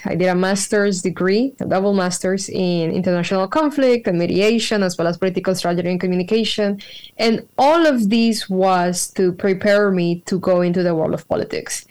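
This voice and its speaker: Lady in her 30s, medium voice, talks it thru slow with lots of ums, video call. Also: medium pitch, fairly even intonation, darkish tone. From Colombia. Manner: thoughtful, earnest, pauses with fillers. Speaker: guest, spiritual practitioner. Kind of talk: casual interview storytelling. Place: home room with a cat.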